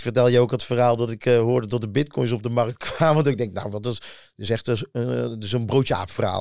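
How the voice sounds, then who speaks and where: This man has a normal speaking voice at medium pitch, with fairly even intonation and a fairly quick pace. The background is quiet and the sound is dry with no echo. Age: 40s. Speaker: TV chef and e-commerce entrepreneur; podcast guest. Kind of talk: casual interview. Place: studio. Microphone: studio mic.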